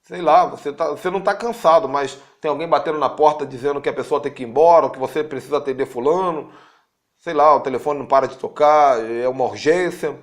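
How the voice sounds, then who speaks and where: A man with a Brazilian Portuguese accent giving an informal spiritual teaching, animated and repetitive, speaking straight to his listeners. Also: quick pace. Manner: animated, acts out quotes with sudden high-pitched jumps; repeats words for emphasis, addresses listeners directly. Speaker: apostle teaching a course.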